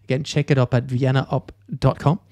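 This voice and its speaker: A middle-aged man co-hosts a casual morning show in an upbeat, promotional way. His voice has a gravelly edge. The recording is dry and close. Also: medium pitch, level tone, a little fast, warm tone, no echo. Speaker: co-host and moderator.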